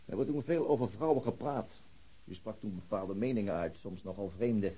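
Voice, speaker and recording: A low, husky, stern detective. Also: male voice, moderate pace, dark tone. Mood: sceptical. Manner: formal, insistent questioning. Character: stern, probing male police detective, formal and dogged. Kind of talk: radio drama acting.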